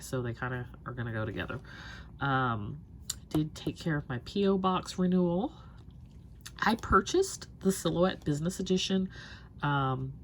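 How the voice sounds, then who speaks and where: A woman's voice: low-pitched, slight background noise. A young woman chatting through her monthly budget check-in, rambling with lots of ums, sounding stuffy and sniffly. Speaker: budget planner vlogger.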